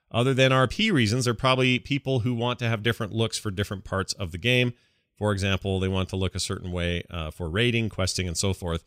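A man's voice: on the low side, fairly bright tone, dry recording, studio quality. A man co-hosting a gaming podcast in a casual, conversational style. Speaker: podcast co-host.

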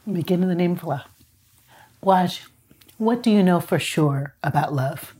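A woman interviewing a guest, responsive and expressive. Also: fairly low pitch, normal speed.

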